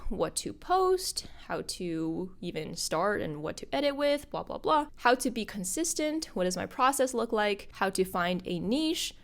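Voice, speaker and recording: A young woman hosting her own podcast, talking casually and upbeat to viewers, her voice husky because she is a little sick. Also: mid-range voice. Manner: bubbly and upbeat, addressing viewers directly. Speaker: podcast host and content creator. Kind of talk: casual solo podcast talk.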